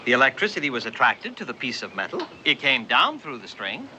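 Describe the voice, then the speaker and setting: An actor playing a genial, wise older male printer with a lively, lightly humorous manner in a television drama. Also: medium pitch, a little fast, slight background noise, full character voice, rough recording. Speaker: Benjamin Franklin figure.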